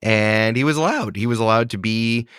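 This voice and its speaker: A man's voice: lowish voice, moderate pace, fairly bright tone, clear, resonant tone, no room sound, clean studio sound. A man in his thirties, a podcast host and game master, talking in a reflective, thinking-aloud way in casual chat. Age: 30s.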